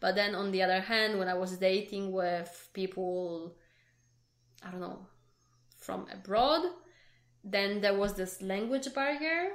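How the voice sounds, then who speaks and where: A woman's medium-pitched voice in a Polish accent, fairly slow with long, frequent pauses, with noticeable background noise and audible room echo. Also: ordinary pitch variation. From Poland. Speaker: podcast host. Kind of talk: casual chat. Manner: halting.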